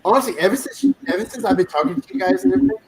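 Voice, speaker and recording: A man's voice: extremely high pitch, huge pitch swings, rapid-fire, vocal fry, over a noisy crowd, low-quality recording. A man in his thirties hosting a casual video-call chat, upbeat and chatty. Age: 30s. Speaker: host.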